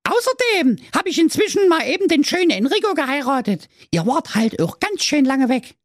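A woman's voice: sits high, very animated, normal speed, dry recording, studio quality, voice pushed up. A man voicing Snow White as a snippy young woman with a Saxon accent, in a comedy fairy-tale podcast. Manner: sharp dismissive retorts.

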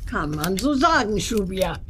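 Our speaker is a witch-school teacher in a children's radio play. She explains slowly and deliberately, with lively melodic intonation, over faint background ambience. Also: mid-range voice, slight background noise. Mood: measured, instructive. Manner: deliberate, instructive. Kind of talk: children's audio drama acting.

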